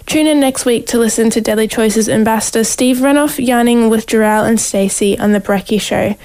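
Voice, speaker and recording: A woman's voice: fairly high pitch, fairly even intonation, fairly quick, a little mellow. A woman with an Aboriginal Australian accent, presenting scripted segments as a radio host. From Western Downs region, Queensland, Australia.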